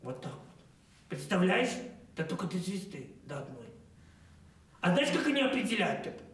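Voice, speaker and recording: An actor playing a cheerful know-it-all clown on a children's TV show, explaining eagerly with lots of fillers. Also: male voice, sits high, very animated, moderate pace, a bit bright. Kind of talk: playful children's TV banter. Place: indoor TV studio set. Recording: roomy studio set, mic at a distance.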